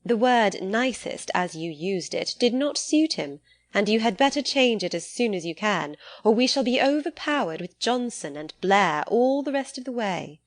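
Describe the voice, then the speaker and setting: A woman voicing a sensible, gently wry young lady in an audiobook, composed and articulate with formal phrasing. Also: medium pitch, animated, normal speed, no room sound, lightly acted. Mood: gently scolding.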